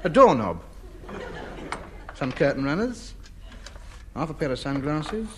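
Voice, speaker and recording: A man's voice: on the high side, big pitch swings, measured pace. An actor in a 1950s radio comedy playing a fussy, pompous man who hoards junk. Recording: old radio recording, noisy.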